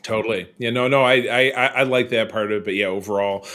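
A man co-hosting a casual show, chatting about TV episodes in an animated, talkative way. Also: fairly low pitch. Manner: animated, chatty, mimics characters in quick asides. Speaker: podcast co-host. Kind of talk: casual chat reviewing TV episodes.

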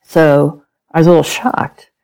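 A middle-aged woman whose first language is German, a podcast guest telling a personal story with lively laughter and acted-out quotes. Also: low-pitched, a little slow, gravelly, clear, resonant tone, rough recording. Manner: animated, laughs often, acts out quoted speech.

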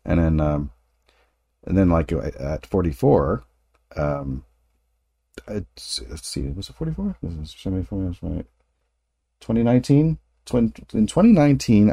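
Low-voiced man in his forties. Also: dark tone, breathy edge, no room sound, studio quality. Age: 40s. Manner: rambling, self-correcting, laughs often. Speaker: podcast host. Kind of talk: casual interview chat.

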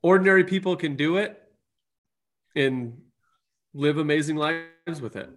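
A man's voice: fairly high pitch, a little slow, fairly bright tone. A man co-hosting a casual interview over a video call, his audio glitching and cutting out on a poor connection. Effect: glitchy audio cutting out over a weak internet connection. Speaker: podcast co-host and builder.

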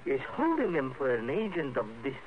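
A man playing an alarmed, deferential interpreter in a 1950s radio drama, speaking formally and urgently with halting phrases. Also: medium pitch, wildly swooping pitch. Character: alarmed, deferential male foreign-language interpreter. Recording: noisy, dull vintage radio broadcast.

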